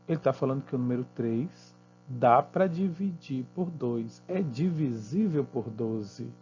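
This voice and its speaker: A Brazilian man teaching math, walking students through exercises patiently and checking in with quick tag questions. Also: mid-range voice, warm tone, dull audio. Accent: Brazilian Portuguese.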